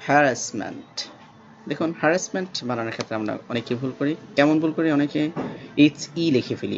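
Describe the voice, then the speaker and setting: A man whose first language is Bengali, teaching English spelling slowly and spelling words out letter by letter, with many pauses. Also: medium pitch. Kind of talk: spelling lesson. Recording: dull lo-fi sound with faint background noise.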